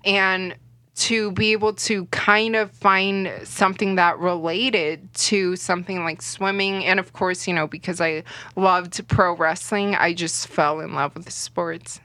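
A woman's voice: on the low side, steady tone, unhurried, pushed and bright, no echo. A young woman whose first language is Cantonese, chatting as a guest sports reporter in a rambling way with plenty of fillers. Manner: chatty, rambling, heavy on fillers like "you know". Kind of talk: casual interview chat.

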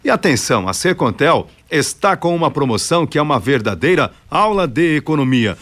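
A man's voice: a little high, big pitch swings, a little fast, a bit bright. A Brazilian man, a radio host, reading a hard-sell advertisement with emphatic, pushy sales delivery.

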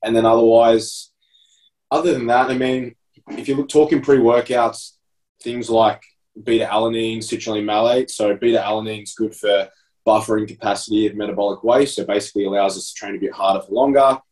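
A man's voice: on the low side, steady tone, brisk, a little mellow, distant mic. A man in his thirties explaining things in a casual podcast chat, with many fillers. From Australia. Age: 30s. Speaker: podcast co-host and coach. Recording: echoey room, away from the mic.

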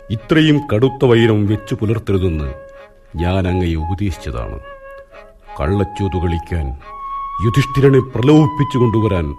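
A wise old royal counsellor in a radio play, his voice very deep and unhurried. He speaks gravely and sternly. Soft music drifts faintly behind him. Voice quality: grave, measured, admonishing. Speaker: radio drama actor. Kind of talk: 1980s Malayalam radio drama acting.

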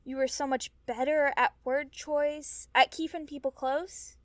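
Slow-paced, earnest young Fae companion, played by a woman. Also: high voice, steady tone, no room sound. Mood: reassuring, earnest. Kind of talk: audio drama acting.

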